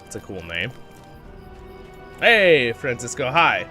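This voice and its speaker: A man's voice: medium pitch, big pitch swings, slow pace, sharp tone, faint music behind. A man hosting a casual game stream, chatting with viewers while recovering from a cold.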